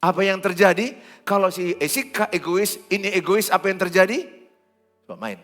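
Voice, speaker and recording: A man, preaching a sermon in church in an animated, joking way. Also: high-pitched, moderate pace, soft background music. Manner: animated, joking, acts out dialogue. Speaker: pastor.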